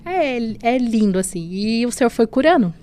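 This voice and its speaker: A woman from Brazil, appearing as a podcast guest, tells her story of faith with heartfelt emotion, habitually dropping in "né?" and "assim." Her dark-toned voice sits on the high side and sounds animated at a normal speed.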